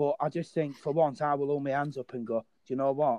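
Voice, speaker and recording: In a plain, everyday voice, a man talks at a fairly quick pace and fairly high pitch, with a dry, close sound and no echo. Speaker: podcast co-host, football fan. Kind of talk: casual chat.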